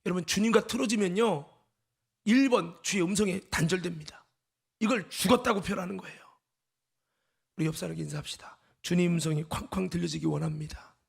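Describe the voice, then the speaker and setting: A middle-aged man, a senior pastor, preaching an emotional sermon that swings from hushed whispers to shouts and breaks into sung hymn lines. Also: high-pitched, brisk, vocal fry, slightly rough.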